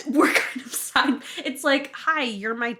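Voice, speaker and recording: A woman co-hosting a podcast retells a true-crime case in a casual, jokey chat, laughing often. Her voice is high and she takes her time. Background noise can be heard.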